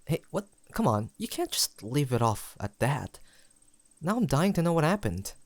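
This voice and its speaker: A man's voice: on the high side, very animated, no room sound. Man acting as a lovestruck young man, close and dry. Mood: playful, incredulous. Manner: conversational, hesitant, halting delivery with sighs and soft chuckles. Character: tender, playfully teasing young man, lovestruck childhood best friend. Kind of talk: intimate romantic audio roleplay spoken to the listener.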